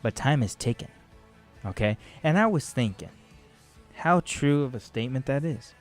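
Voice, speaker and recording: A man's voice: medium pitch, lively intonation, moderate pace, faint music behind. A man in his twenties hosting a casual Christian radio talk show, teasing his brother and rambling loosely. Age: 20s.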